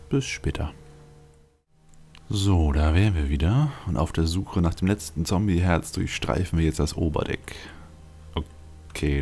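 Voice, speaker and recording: A man's voice: extremely low pitch, darkish tone. A man hosting a let's play with casual game commentary, thinking aloud with wry, dry asides. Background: game music.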